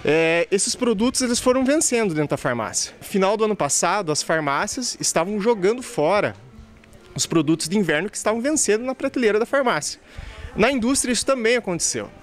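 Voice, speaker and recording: Higher-voiced man explaining in a pharmacy. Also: animated, fairly quick, soft background music. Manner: explanatory, frequent tag questions. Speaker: pharmacy representative interviewed. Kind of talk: news interview answer. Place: pharmacy shop floor, indoors. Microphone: handheld reporter mic.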